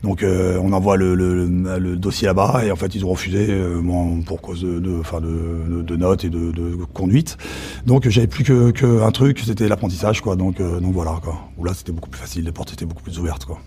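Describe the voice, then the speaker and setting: A middle-aged man with a Parisian suburban accent, a chef recalling his youth in halting casual talk full of fillers and restarts. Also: sits low, fairly even intonation, warm tone, slight background noise. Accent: Parisian suburban French. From Paris suburbs, France. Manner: hesitant, many fillers and restarts. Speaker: chef interviewed about his career. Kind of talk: casual spoken recollection.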